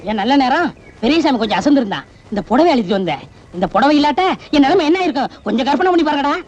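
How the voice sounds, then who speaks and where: A quick, scolding village rogue. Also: male voice, very high-pitched, big pitch swings, muffled recording, crowd noise. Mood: scheming. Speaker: film comedian. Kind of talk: classic film comedy acting.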